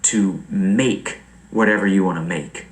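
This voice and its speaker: A young man chatting casually on a livestream, rambling and animated, laughing often. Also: sits low, unhurried, roomy sound, poor audio. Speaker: streamer.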